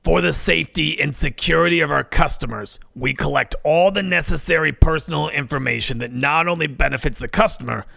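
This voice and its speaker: A man voicing a bossy, officious woman who trains pizza store staff, with a gravelly voice, in a comedic story. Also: medium pitch, a little fast, few pauses, bright, forceful tone, no echo, exaggerated voice. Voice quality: gravelly, creaky. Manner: officious, corporate-script delivery.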